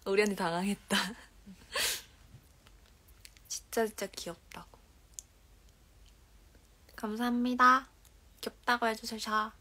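A medium-pitched woman's voice takes its time, with long pauses. She's in her twenties, casually hosting an idol livestream from a dim bedroom, reading comments aloud in a Korean regional accent while holding her phone at arm's length. Soft-spoken, she frequently drops into whispers and giggles.

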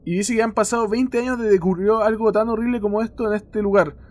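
Jumpy, high-pitched young Chilean gamer. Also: male voice, steady tone, fast talker, darkish tone. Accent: Chilean Spanish. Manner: swearing often and yelping in fright. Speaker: gaming youtuber. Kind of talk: horror game let's play commentary.

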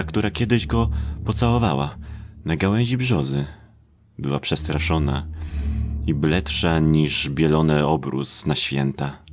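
A man narrating a horror audio drama in a brooding way, in short, pause-laden phrases. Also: extremely low pitch. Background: atmospheric sound effects.

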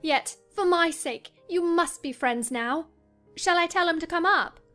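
Woman acting an excitable, high-pitched young married lady. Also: measured pace, soft background music, exaggerated voice. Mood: eager, teasing.

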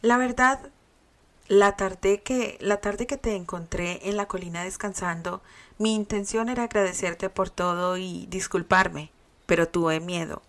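A woman's voice: mid-range voice, steady tone, measured pace, fairly bright tone. Terry, as a woman reader voices him, tender young man. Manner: tender, teasing. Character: young man, proud teasing sweetheart.

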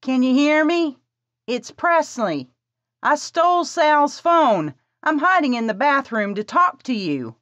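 A high, loud, bubbly younger sister, as a woman narrator puts her on, bossing someone around in eager bursts. The voice is raised well above the narrator's own, and the recording sounds dry and a little dull. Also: no echo, heavily acted. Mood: urgent, hushed. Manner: excitable, bossy, talks fast in bursts.

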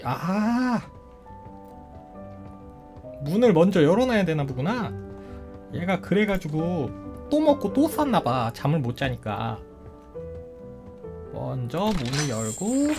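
Excitable woman narrating gameplay, unhurried. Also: mid-range voice. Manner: excitable, with frequent exclamations and laughter; talks to the characters on screen. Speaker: gameplay video creator. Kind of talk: playful gameplay commentary. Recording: game music clearly audible behind the voice.

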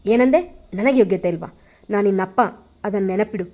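An angry, scheming middle-aged father rages in indignant bursts, as a woman narrator voices him. The tone is dark and soft-edged, pitched at an ordinary height for her. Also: steady tone, normal speed, slightly rough, close to an everyday voice.

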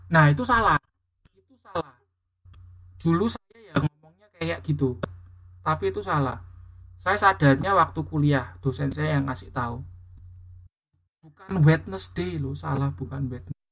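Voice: mid-range voice, normal speed, gravelly, a bit bright. Indonesian English teacher, patient and repetitive, drilling pronunciation with a class. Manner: explains patiently, repeating words and correcting pronunciation.

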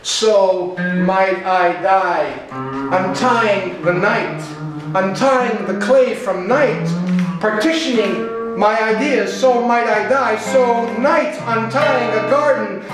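A middle-aged man reading his own poetry dramatically, in a deliberate, incantatory manner with stuttered repetitions. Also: high voice. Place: small indoor art gallery before an audience. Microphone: distant camera. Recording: echoey gallery room, guitar behind. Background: electric guitar with effects.

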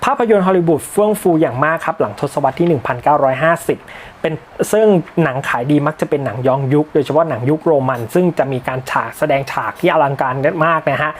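A man's voice: a little high, fast talker, a little hiss or hum. Thai man narrating a history lesson. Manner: relaxed, polite, with small slips and fillers. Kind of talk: informal history lecture.

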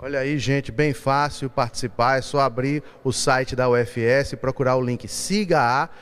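A man's voice: medium pitch, fairly even intonation, normal speed, clear, resonant tone. A man in his forties, a TV reporter, doing a live field report with prompting questions. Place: outdoors on a university campus. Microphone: handheld reporter mic.

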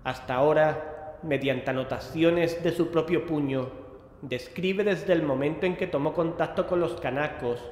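An actor from playing a serious investigator who explains things in a measured way, in an audio drama. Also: male voice, a little high, darkish tone, close to an everyday voice. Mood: serious, explanatory. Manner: measured, expository. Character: serious male investigator briefing a colleague. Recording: echoing hall, noisy ambience.

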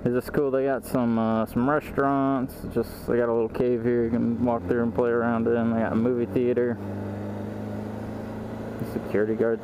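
A man's voice: mid-range voice, flat delivery, normal speed. A young American man telling stories casually as he rides a motorcycle outdoors. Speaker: motorcycle vlogger. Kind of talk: casual storytelling chat while riding. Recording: loud vehicle and wind noise outdoors.

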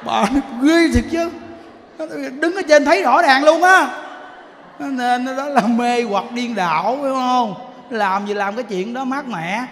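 A male Buddhist monk delivers a sermon, telling stories with laughter and acting out the people in them. His voice is fairly high, and a long hall reverb trails every phrase. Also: measured pace, a bit bright, a little hiss or hum.

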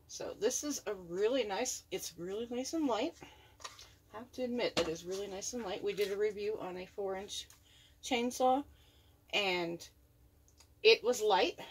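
A product reviewer unboxes a tool in her home workshop, speaking off-camera in a chatty, upbeat way and repeating her praise. Her voice is medium-pitched, with a little hiss or hum.

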